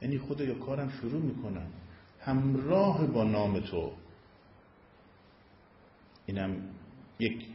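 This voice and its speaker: A man explaining Arabic grammar as a religious teacher, in a patient lecturing manner, often lifting and dropping his voice for emphasis. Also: a little hiss or hum. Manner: explanatory, rises and falls in pitch for emphasis. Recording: echoey room, dull lo-fi sound.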